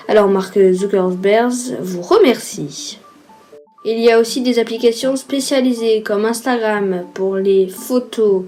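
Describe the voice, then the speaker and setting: A woman's voice: medium pitch, mellow. A woman reporter giving scripted news narration in a lightly playful, explanatory way.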